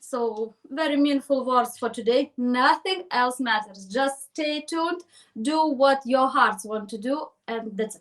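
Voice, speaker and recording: With a non-native accent, a woman speaks at a moderate pace in a high pitch, her tone bright and sharp and her intonation lively. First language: not English. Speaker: wedding musician. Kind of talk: live virtual show presentation. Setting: live stream. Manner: halting.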